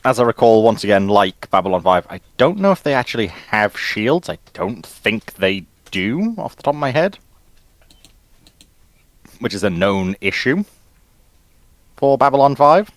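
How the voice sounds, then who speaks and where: A man's voice: on the low side, sing-song, unhurried, pauses often, dry recording. A man chatting casually as a guest panelist, giving his opinions. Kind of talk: casual discussion of science fiction ships.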